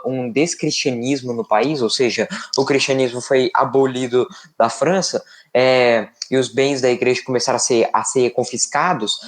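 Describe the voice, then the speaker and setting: A young Brazilian man with a Brazilian Portuguese accent, a student speaking up in class, hesitant and full of fillers. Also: medium pitch. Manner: hesitant, many fillers and restarts. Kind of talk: class discussion.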